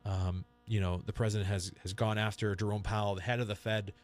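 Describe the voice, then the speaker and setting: Low-voiced man hosting a radio talk. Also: level tone, brisk. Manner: rambling, many restarts. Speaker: radio show host. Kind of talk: casual political chat.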